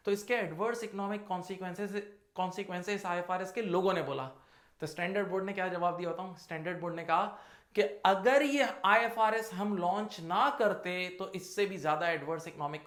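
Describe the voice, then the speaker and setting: A man's voice: high voice, fairly bright tone. Man teaching accounting, roomy echo. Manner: conversational, acts out dialogues in explaining. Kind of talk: lecture to students.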